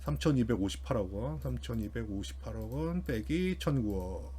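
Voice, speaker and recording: A man's voice: mid-range voice, animated, normal speed, warm tone, slight background noise. A man giving casual explanatory financial commentary as an online host, informally thinking aloud as he works through figures. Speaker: YouTube host commenting on company earnings.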